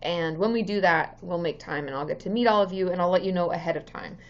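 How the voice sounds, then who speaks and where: A woman in her thirties with a slightly hoarse voice, a therapist chatting casually on a live stream, greeting viewers by name with many ums. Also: lowish voice, quick pace, dull audio.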